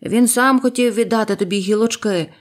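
A woman's voice: on the high side, fairly quick, voice pushed up, lightly acted. A woman voicing two strong young bird brothers who talk earnestly and bicker. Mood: earnest, arguing. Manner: earnest, arguing.

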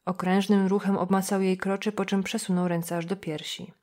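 Kobieta, lektorka audiobooka, czytająca powieść w spokojnym, wyważonym tempie. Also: female voice, medium pitch. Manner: measured, even reading. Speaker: audiobook narrator. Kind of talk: scripted novel narration.

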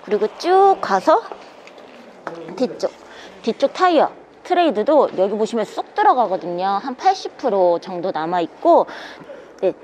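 A woman's voice: medium pitch, a little mellow. A young woman presenting a used vehicle in an upbeat, polished salesperson's patter. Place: indoor parking garage, later inside truck cab. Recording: background noise in parking garage.

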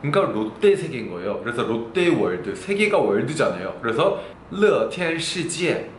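A Korean man teaching Chinese pronunciation in a casual online lesson, drilling syllables slowly one by one. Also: medium pitch, very animated, slight background noise. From South Korea. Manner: slow, drawn-out drilling of syllables, looking at the screen. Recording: echoey room, faint ambience.

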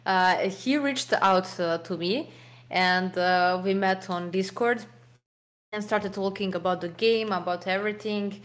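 On a video call from home, a young professional poker player with a Serbian accent takes interview questions, often restarting and using fillers. She speaks unhurriedly in a medium-pitched voice. She's on a desk mic, framed by her webcam.

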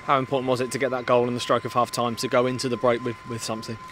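A man interviewing a football coach after a match, asking brisk, neutral questions outdoors on a pitch at night. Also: level tone, noisy background. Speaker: club media interviewer.

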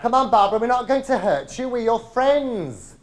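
A woman's voice: fairly high pitch, sing-song, normal speed, pitched above the performer's own voice. A storyteller voicing a patronising woman who coaxes someone in a sing-song, condescending manner. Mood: coaxing, patronising. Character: coaxing, patronising woman at a locked door.

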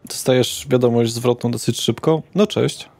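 A man's voice: mid-range voice, normal speed, creaky, a little mellow. A man narrating a tabletop roleplaying game as game master, describing scenes with small hesitations.

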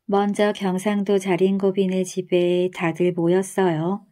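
A woman narrating a traditional folktale in a gentle, unhurried bedtime storytelling manner. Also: medium pitch, flat delivery.

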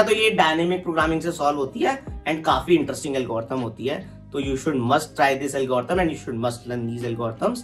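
A young man with an Indian accent teaching coding in a casual, explanatory way, often checking in with the viewer. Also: a little high. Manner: explanatory, keeps adding "है ना" checks to the listener; addresses the viewer informally as "तुम". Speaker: coding instructor. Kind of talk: casual tutorial talk, switching between Hindi and English.

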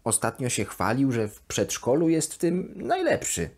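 A woman's voice: a bass voice, huge pitch swings, moderate pace, darkish tone, breathy edge, heavily acted. A woman voicing a chatty, devoted plush toy duck, expressively confiding her diary in a children's bedtime audio story. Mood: fond, chatty.

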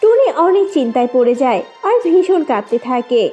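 A woman's voice: sits high, sing-song, brisk, mellow, lo-fi sound, faint music behind. A woman narrating a scripted children's cartoon story.

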